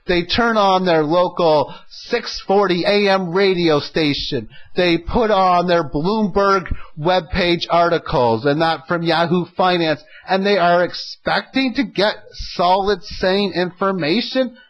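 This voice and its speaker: A man hosts an informal audio commentary. He speaks emphatically and with clear opinions. He often sets up rhetorical questions and then answers them himself. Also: sits high, slow, hardly any pauses, lo-fi sound. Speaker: host of an economic audio log.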